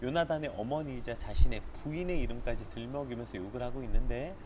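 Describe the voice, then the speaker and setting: A man leads a live morning Bible study, reading passages aloud and explaining them in a relaxed, conversational way. His voice sits in a middle register, and his explanations are sprinkled with filler words. Clear traffic noise from outside runs behind his voice. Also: mid-range voice, fast.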